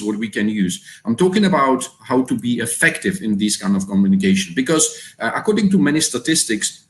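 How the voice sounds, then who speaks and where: A man from the Czech Republic with a Czech accent, hosting a live webinar and speaking hesitantly with many fillers and repeated words. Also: mid-range voice. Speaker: webinar host. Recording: roomy echo.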